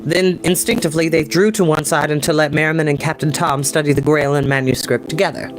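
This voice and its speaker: A man's voice: a little high, fairly even intonation, fast talker, over music, poor audio. A young adult man reading a book aloud as a storyteller, with casual, enthusiastic asides in slangy language. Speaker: storytime reader and host. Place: small home room with desk and bookshelves.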